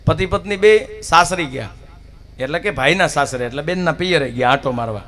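High, bright storyteller man. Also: a little fast. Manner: lively, animated, swings between loud and hushed. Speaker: folk storyteller. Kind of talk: live devotional storytelling with jokes. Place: live outdoor stage event.

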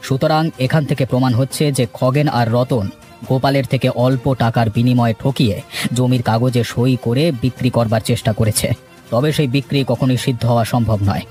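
Man acting a stern village gentleman, quick-talking. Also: mid-range voice, lightly acted. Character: stern, righteous village gentleman judging disputes. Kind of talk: Bengali moral cartoon dubbing.

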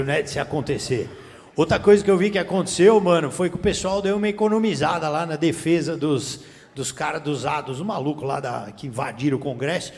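A man's voice: sits high, gravelly. A man from Brazil doing a stand-up comedy set on a theater stage with a handheld mic, teasing the crowd in profane slang. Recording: reverberant theater, faint room noise. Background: audience laughter.

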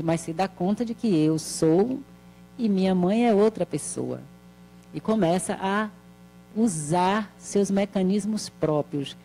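A woman in her sixties sits at a table in a small hall, delivering a spiritual lecture into a handheld mic. She explains things calmly and in a measured way, posing rhetorical questions, at medium pitch with a little hiss or hum.

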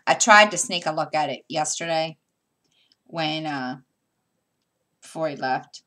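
A chatty middle-aged woman talks to her camera at home while she stitches. Her voice sits low, and she wanders through her thoughts with fillers and restarts. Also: unhurried, sharp tone. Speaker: stitching vlogger. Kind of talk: casual chat while stitching. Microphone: camera mic.

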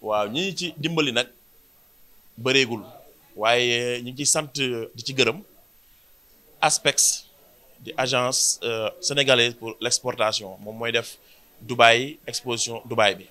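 A man in his thirties with a Senegalese accent, an event organizer giving a measured, explanatory statement at a press conference in an indoor room. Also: medium pitch, bright, forceful tone. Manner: switches between French and Wolof, measured and explanatory. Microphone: cluster of handheld press mics.

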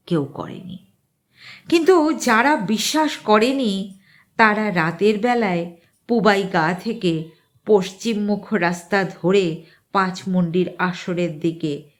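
A woman reading a ghost story aloud in a slow, suspenseful, expressive storytelling style. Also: on the low side. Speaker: story reader.

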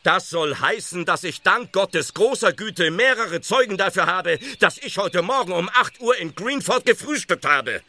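Defiant devout blacksmith, sharp forceful voice. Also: male voice, high-pitched, expressive, moderate pace, hardly any pauses, no echo, full character voice. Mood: assured. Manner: fervent, indignant, emphatic. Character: burly, devout, defiant village blacksmith accused of murder. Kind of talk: German audio drama acting.

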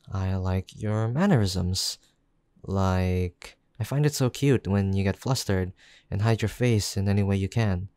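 A man playing a caring, gently teasing young boyfriend in an intimate, affectionate roleplay, speaking softly and unhurriedly. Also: sits low, creaky, no room sound. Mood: playful affection. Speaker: voice actor in boyfriend roleplay audio.

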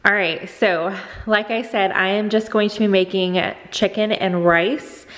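A woman's voice: mid-range voice, steady tone, measured pace, fairly bright tone, in a large hall. A middle-aged woman chatting casually as she walks through a cooking demonstration step by step in her home kitchen. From Texas. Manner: chatty step-by-step explaining, frequent "go ahead". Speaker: cooking vlogger. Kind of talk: casual cook-along demonstration.

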